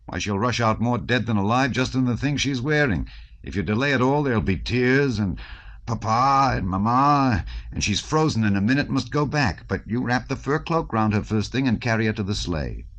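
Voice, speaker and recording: A man voicing a brash, bossy, swaggering man in an audiobook, forceful and commanding. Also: medium pitch, expressive, normal speed, dull audio, voice pushed up, close to an everyday voice. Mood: brisk, knowing.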